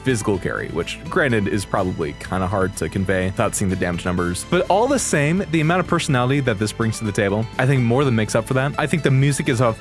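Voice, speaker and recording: Guy reacting to game trailers, super animated n hyped, swears a lot, music behind him. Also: fairly low pitch, quick pace, hardly any pauses. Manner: hyperbolic, casual, heavy swearing. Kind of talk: excited reaction commentary.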